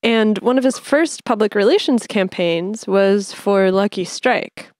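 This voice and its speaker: A woman's voice: mid-range voice, measured pace, a little mellow, no echo, studio quality. A woman interviewer asking curious questions and explaining history in a casual conversation.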